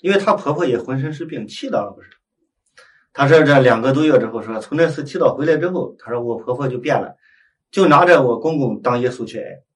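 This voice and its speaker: A man leading Catholic prayer, telling a story in conversation and acting out the quoted dialogue with lively voices. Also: mid-range voice, a little fast, far from the mic.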